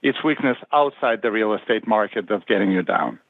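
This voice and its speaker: A man's voice: fairly low pitch, animated, a little fast, gravelly, dry recording. Hesitant male analyst on tinny phone. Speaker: financial analyst asking questions. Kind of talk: informal earnings call questioning. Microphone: telephone. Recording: dry, tinny narrowband phone line.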